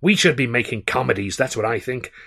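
A man's voice: medium pitch, lively intonation, creaky, a bit bright. A man voicing a brash, boastful big male film producer who talks in a slangy, blustering way. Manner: blustering, fast-talking, slangy.

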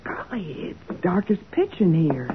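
A woman's voice: fairly low pitch, huge pitch swings, unhurried. Eager female detective's assistant. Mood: wary. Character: detective's young female assistant, eager, inquisitive, slightly doubtful. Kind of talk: 1940s radio acting. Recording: muffled, hissy 1940s radio recording.

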